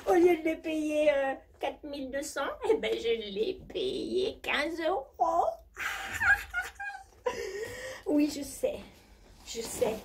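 A woman voicing a posh, rich female jet-setter who talks in a high, breathless, gushing way. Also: sing-song, slow pace, a little mellow, slight background noise, heavily acted.

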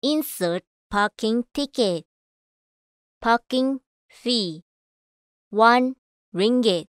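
Slow, high-voiced woman doing scripted voice-over. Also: expressive, clear, resonant tone, dry recording. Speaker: voice actor. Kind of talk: voice-over demo reading of commercials, narration and announcements.

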